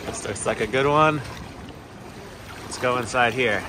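A man's voice: mid-range voice, a little slow. A man in his thirties chatting casually and easily, like a solo sailing vlogger filming himself outdoors on his boat. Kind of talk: casual vlog narration. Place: outdoors on a small sailboat at sea. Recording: noisy boat outdoors, engine and water. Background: boat and water noise.

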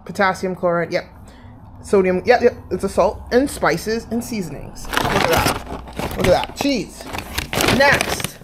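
With lively intonation at a measured pace and a mid-range voice, a Canadian woman in her thirties talks through her groceries in a casual vlog. She's emphatic and opinionated, filming handheld at arm's length in her small living room against a noisy background.

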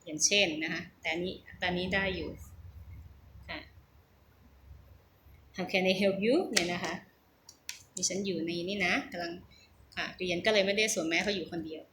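A woman's voice: lowish voice, fairly even intonation, moderate pace, pauses often, sharp tone. A middle-aged Thai woman talking casually about practicing English, hesitant, repeating words and laughing at herself. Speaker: English learner sharing her practice. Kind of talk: casual vlog with pronunciation practice. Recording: echoey room with faint hum.

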